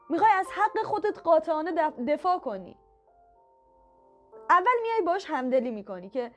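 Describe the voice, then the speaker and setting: High-voiced woman teaching step by step. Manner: patient, repeats each step with examples. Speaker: communication skills teacher. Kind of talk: instructional talk to camera.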